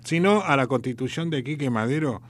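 A man's voice: medium pitch, lively intonation, brisk. A man with an Argentine accent hosting a radio show, rambling in a chatty, folksy storytelling way. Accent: Argentine Spanish. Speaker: radio host. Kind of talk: casual radio chat.

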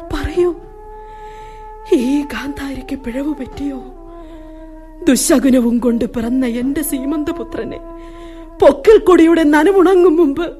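High, mellow-voiced grieving queen, declamatory radio play delivery. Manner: declamatory, pleading, intensely emotional. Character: grieving queen mother, proud yet anguished. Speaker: radio drama actor. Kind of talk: classic radio drama acting.

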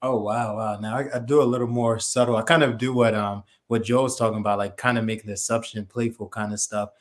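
A man's voice: lowish voice, brisk. A man hosting a podcast, talking loosely with lots of "like" and "kinda". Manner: loose, filler-heavy, relaxed. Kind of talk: casual chat.

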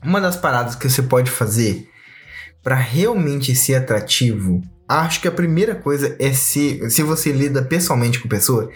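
A Brazilian man holds forth in a relaxed podcast chat, full of slang and lively asides. He keeps dropping into little mock voices to land a joke. His voice sits at a middle pitch for a man. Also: normal speed, faint music behind. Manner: slangy, animated, mimics voices for jokes. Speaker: podcast co-host.

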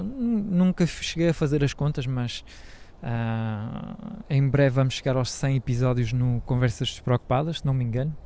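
A man's voice: a little high, a little mellow. A man hosting his own podcast in a casual, rambling monologue, hesitant and full of fillers, speaking Portuguese with a French accent. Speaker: podcast host.

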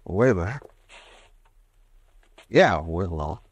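An actor playing an anxious, hard-up young drugstore clerk, hesitant and jumpy, in an old radio crime drama. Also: male voice, sits low, lively intonation, extremely slow, slightly rough, no echo, lo-fi sound, full character voice. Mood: wary, nervous.

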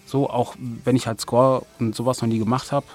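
A man giving casual, colloquial interview answers, often halting mid-sentence as he thinks. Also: mid-range voice, flat delivery, a little mellow. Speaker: interview guest, music producer of an audio drama.

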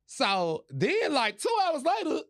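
A man hosting a podcast, telling a story in casual chat, animated and profane, laughing as he goes. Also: extremely high pitch, slow pace. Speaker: podcast host.

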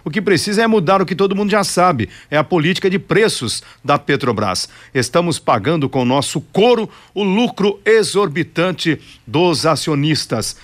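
A man's voice: a little high, expressive, moderate pace, few pauses. A Brazilian man hosting live radio talk and reading out listener messages. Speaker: radio host.

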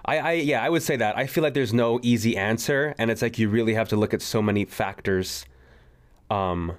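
A man's voice: fairly low pitch, fairly quick. Rambling young man chatting casually. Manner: rambling, heavy use of "like". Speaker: podcast co-host, producer. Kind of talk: casual group chat over a voice call.

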